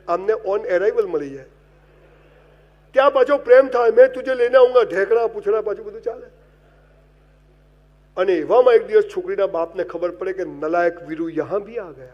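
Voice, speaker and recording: Male motivational speaker, high-pitched, lively comic storyteller whose loudness jumps and drops as he talks to the crowd. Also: dull audio. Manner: animated comic storytelling with wide swings in loudness; addresses the audience directly and gives advice. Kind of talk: humorous motivational speech.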